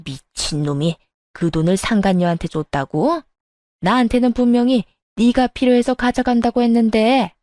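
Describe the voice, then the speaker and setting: A woman voicing a bossy middle-aged mother-in-law who scolds slowly and harshly. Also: fairly high pitch, fairly even intonation, warm tone, no room sound, studio quality, natural voice. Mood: enraged. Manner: harsh, scolding, slow and emphatic. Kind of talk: story narration with acted voices.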